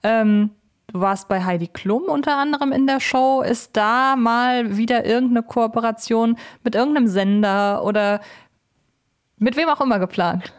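A woman's voice: a little high, moderate pace, smooth. A woman hosting a podcast, talking with her guest in a conversational interview style. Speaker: podcast host.

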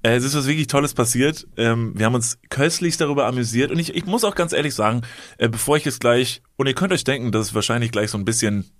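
A man from Cologne hosting a podcast, telling an anecdote in an animated way with lots of fillers. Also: mid-range voice, fast talker, dry recording. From Cologne, Germany. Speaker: podcast host. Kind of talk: casual storytelling chat.

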